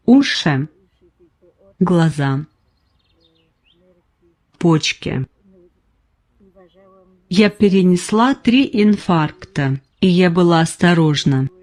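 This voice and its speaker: A very old woman in her nineties tells her story in short, simple sentences. She speaks slowly and without hurry, pausing between each plain statement. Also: lowish voice, lively intonation, a little mellow. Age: 90s. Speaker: patient interviewee. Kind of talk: slow personal testimony.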